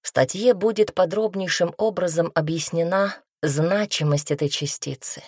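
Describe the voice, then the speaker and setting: A woman reading a nonfiction book aloud as a narrator, in a measured, even way. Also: on the low side, husky, dry recording, studio quality. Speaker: audiobook narrator.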